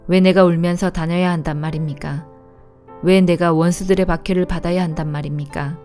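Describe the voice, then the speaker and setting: A woman reading the Bible aloud in a steady, calm, measured way. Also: on the low side. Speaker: Bible reader. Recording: soft instrumental music behind.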